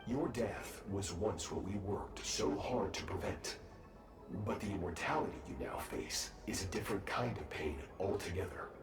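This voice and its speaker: A man's voice: sits low, expressive, moderate pace. A man playing a proud, aloof master warrior in a video game, speaking formally and with grand self-assurance. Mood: aloof, imperious. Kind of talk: scripted game character dialogue. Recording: echoey distant game audio, loud music.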